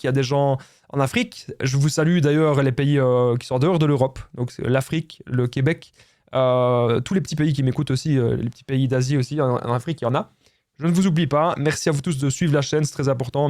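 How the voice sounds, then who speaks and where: A man's voice: medium pitch, fairly even intonation, fairly quick, a little mellow, no room sound, clean studio sound. A man with a Belgian French accent giving relationship advice straight to his viewers, insistent and repetitive, often calling them his friends. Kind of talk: direct-to-camera advice talk.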